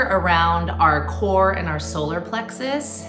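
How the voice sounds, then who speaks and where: Over clear music in the background, a woman talks at a fairly slow pace. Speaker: yoga instructor. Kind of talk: live class chat with viewers. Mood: warm, upbeat. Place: home room. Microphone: phone near.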